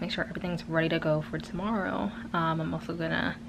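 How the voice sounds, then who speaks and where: A woman with a fairly low pitch and fairly even intonation talks at a fairly quick pace, with noticeable background noise behind her. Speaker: vlogger. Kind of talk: casual vlog chat. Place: home room. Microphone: phone near.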